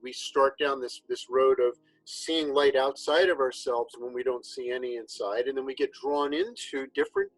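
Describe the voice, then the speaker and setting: A man hosting a casual chat show, talking in a relaxed, rambling way with frequent restarts. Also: medium pitch, moderate pace, hardly any pauses, no echo, faint music behind, low-quality recording. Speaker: podcast host.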